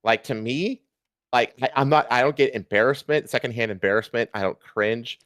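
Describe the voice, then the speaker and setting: A man's voice: mid-range voice, normal speed, fairly bright tone, dry recording, studio quality. A man hosting a livestream, ranting casually with emphatic, repetitive, profane talk. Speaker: livestream host.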